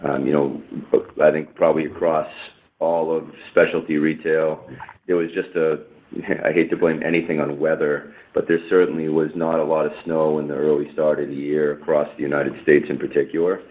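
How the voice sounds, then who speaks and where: Very deep-voiced male executive on a phone line. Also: level tone, normal speed. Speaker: company executive on an earnings call. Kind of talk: unscripted corporate question-and-answer. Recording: narrow tinny phone conference line.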